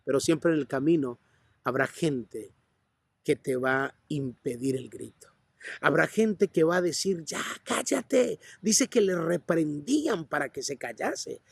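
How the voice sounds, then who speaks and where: Colombian pastor preaching hard, kinda husky, higher voice, dry sound. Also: male voice, measured pace, dry recording. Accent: Colombian Spanish. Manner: passionate preaching, acts out bystanders and the blind man's cries. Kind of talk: sermon. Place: church.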